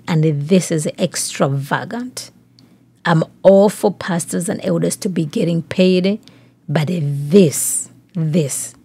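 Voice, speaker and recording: A woman's voice: fairly low pitch, dark tone, breathy edge. A woman hosting a podcast, reading news aloud and commenting on it, putting questions straight to the listener. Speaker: podcast host.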